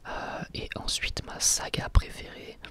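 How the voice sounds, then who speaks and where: A man hosting an ASMR channel, answering viewer questions in a soft, hesitant whisper with frequent pauses.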